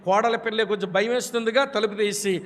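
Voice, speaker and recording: High-voiced preacher in a reverberant hall. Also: male voice, brisk. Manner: animated storyteller, acts out quoted voices, addresses listeners directly. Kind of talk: Telugu sermon storytelling.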